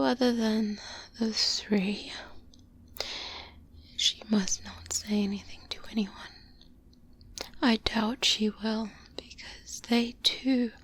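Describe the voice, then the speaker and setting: A woman playing a seasoned, guarded vampire hunter mentor in an ASMR roleplay, speaking in a breathy whisper with measured, deliberate pauses, close to a binaural mic. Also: fairly high pitch, full character voice. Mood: secretive, wry. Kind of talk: soft-spoken ASMR roleplay monologue. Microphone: close-up binaural microphone.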